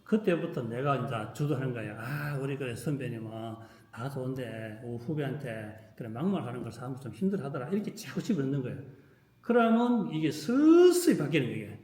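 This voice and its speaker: A man teaching a qigong class, emphatic, dropping to a softer voice when acting out thoughts. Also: medium pitch, big pitch swings, a little fast, roomy sound. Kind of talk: lecture to a class.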